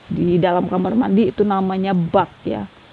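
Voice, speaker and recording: In a normal speaking voice, a woman of medium pitch talks at a fairly slow pace with fairly even intonation. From Lampung, Indonesia. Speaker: language teacher. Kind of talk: language lesson.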